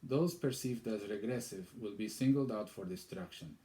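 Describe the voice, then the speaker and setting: A man's voice: fairly low pitch, moderate pace, dark tone, close to an everyday voice. A man voicing a sardonic old Arab man with an Arabic accent in a storybook reading. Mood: scornful. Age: older.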